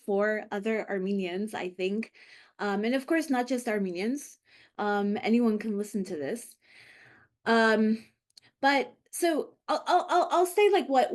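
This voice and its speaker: A woman's voice: medium pitch, a little mellow. A woman who grew up in Los Angeles after coming from Lebanon, co-hosting a podcast in a reflective, hesitant way with many fillers and restarts. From Lebanon, raised in Los Angeles. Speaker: podcast co-host. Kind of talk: casual conversational podcast.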